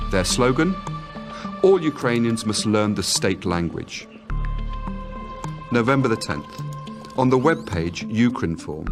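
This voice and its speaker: A man giving scripted documentary narration in a measured, formal reading, also voicing translated quotes. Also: lowish voice. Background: music bed.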